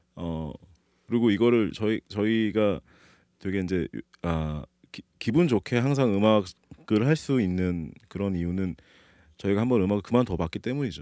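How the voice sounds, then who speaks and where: A man's dark, mellow tone with lively intonation and long, frequent pauses. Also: fairly low pitch for a man, moderate pace, dry, close sound with no echo. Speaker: band member. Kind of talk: interview.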